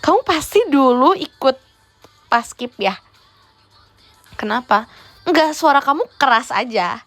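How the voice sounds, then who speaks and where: Young woman, fairly high voice, teasing role-play livestream chat, phone mic, faint music behind. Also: animated, measured pace, a bit bright, dry recording. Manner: chatty and teasing, mixes in English words. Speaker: idol livestreamer.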